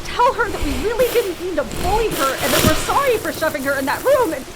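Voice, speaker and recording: A woman's voice: extremely high pitch, sing-song, quick pace. A woman playing a timid, guilt-ridden, frightened young woman in a horror radio play, stammering and pleading. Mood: anxious, pleading. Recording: loud rain-like background noise.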